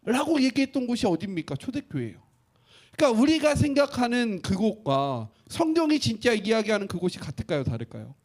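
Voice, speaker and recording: A male pastor preaching a sermon, asking the congregation questions and acting out quotes in an animated way. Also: high-pitched, brisk.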